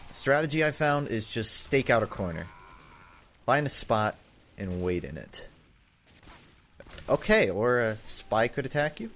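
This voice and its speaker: Over his game footage, a young man who makes gaming YouTube videos rambles casually, cracking sarcastic jokes at his own expense. His voice is on the low side with a fairly bright tone.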